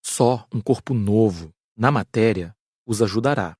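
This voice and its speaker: A man acting as a grave male spirit teacher in an audiobook. The voice is husky and closely recorded with a dry sound, solemn and measured in its explaining. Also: lowish voice, darkish tone, no room sound.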